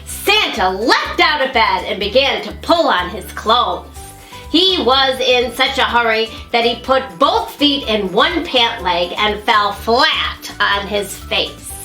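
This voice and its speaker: A woman librarian reading a picture book aloud to children in an expressive storytime style. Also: fairly high pitch, slow pace, roomy sound, faint music behind. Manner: warm, expressive, addressing children.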